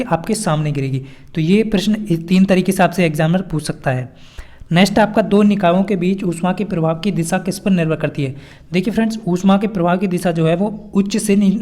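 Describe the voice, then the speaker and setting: A man's voice: high voice, darkish tone. A man teaching an exam-prep lesson, reading out quiz questions and explaining the answers with repeated key points.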